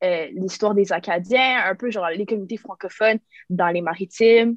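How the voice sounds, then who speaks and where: The woman's voice sounds dry and close with no echo as she speaks at a moderate pace. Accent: Quebec. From Quebec. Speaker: university student. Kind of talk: casual interview chat.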